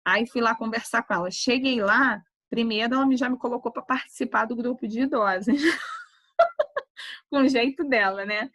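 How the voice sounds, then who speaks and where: A woman talks casually to her students in an animated storytelling manner. Her voice sits fairly high and the recording is dry and close. She slips into quoted voices as she tells the tale. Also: moderate pace, no echo. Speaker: nursing teacher. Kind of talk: casual class talk, storytelling. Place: online class.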